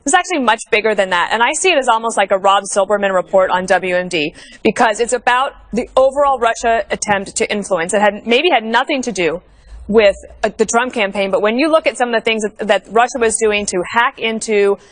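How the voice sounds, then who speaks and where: A woman's voice: on the high side, brisk. A woman co-hosting a news panel, a former press aide, asking articulate questions with light fillers. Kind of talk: cable news panel discussion.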